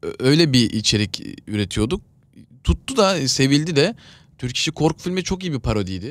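A man's fairly high-pitched voice with vocal fry and very wide pitch swings, at a moderate pace, in a dry sound with no echo. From Turkey, Kayseri; Turkey. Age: 30s. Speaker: comedian; podcast guest. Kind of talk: casual chat. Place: studio. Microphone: studio mic.

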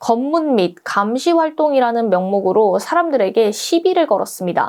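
High-pitched female speech with very wide swings in pitch. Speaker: political commentary host. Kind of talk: scripted commentary. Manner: formal.

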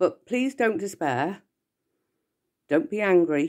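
Against a quiet background, a woman's voice makes very wide pitch swings. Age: 60s. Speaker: retired nurse. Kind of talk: personal monologue to camera. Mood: calm, earnest, reassuring. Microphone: phone near.

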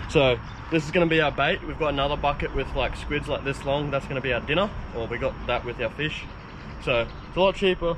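Noticeable background noise sits behind this man. He talks very fast, with ordinary pitch variation. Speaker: fisherman vlogger. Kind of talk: casual vlog chat. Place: street. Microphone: phone near.

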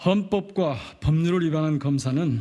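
A man's fairly high voice carries a dark, mellow tone as he speaks at a fairly slow pace. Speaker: lawmaker. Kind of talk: press conference statement. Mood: firm, resolute. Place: hall.

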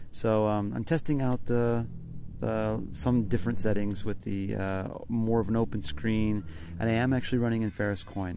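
A man speaks with a plain, everyday voice, fairly low in pitch, at a moderate pace with ordinary pitch variation. The sound is dry with no echo, and there is light background noise. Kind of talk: casual vlog chat. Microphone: phone near.

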